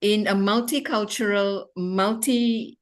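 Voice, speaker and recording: A middle-aged woman from Malaysia, a doctor giving a measured, lightly amused impromptu speech over a video call. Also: medium pitch, fairly even intonation. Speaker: doctor and therapist. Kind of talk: impromptu speech at an online club meeting.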